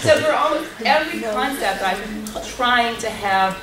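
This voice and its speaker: Loud-voiced woman in a roomy hall. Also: fairly high pitch, measured pace, over a noisy crowd. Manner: lively, animated storyteller with a loud voice. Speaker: panelist, math circle leader. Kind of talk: workshop panel talk. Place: workshop room. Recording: roomy hall sound from a distant mic, noisy.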